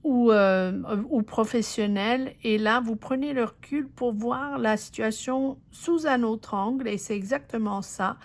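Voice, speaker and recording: A woman's voice: on the high side, unhurried, few pauses. A woman giving an intuitive tarot reading, speaking to the viewer in a hesitant, reassuring way, with many fillers and restarts. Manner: reassuring, addresses the viewer directly. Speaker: tarot reader.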